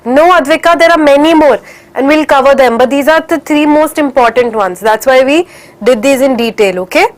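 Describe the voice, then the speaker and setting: High-voiced Indian English woman teaching. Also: fairly quick. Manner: encouraging, mixes English with Hindi phrases. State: slightly stuffy with a cold. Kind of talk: live online class for children.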